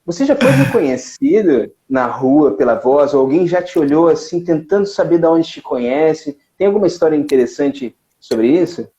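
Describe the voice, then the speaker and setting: A man hosting a live-streamed interview, asking measured, reflective questions. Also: fairly high pitch, expressive, dark tone. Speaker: interview host. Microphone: live video stream.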